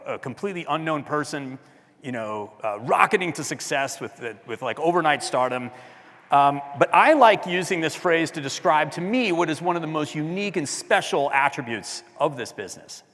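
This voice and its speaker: Loud, lively male conference speaker. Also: fairly high pitch, in a large hall. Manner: chatty, asks the audience questions. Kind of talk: conference talk with slides. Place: large hall with audience.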